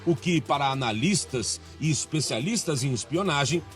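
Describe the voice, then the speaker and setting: A Brazilian man reports the news in a measured, emphatic voice that rides up and down a lot and sits a little high for a man. Faint music plays underneath him. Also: lively intonation. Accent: Brazilian Portuguese. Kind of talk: scripted news narration and street interviews.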